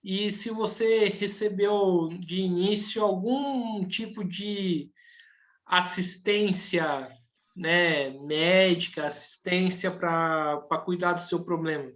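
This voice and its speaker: A man hosting a podcast interview, relaxed and full of tag questions. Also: sits high, slow pace. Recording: dull lo-fi sound.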